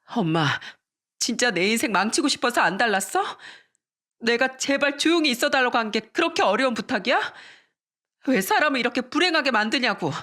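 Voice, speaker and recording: A narrator voicing a furious, shrill wife who screams blame at her own mother in a dramatized story reading. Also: sing-song, moderate pace, fairly bright tone. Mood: furious screaming.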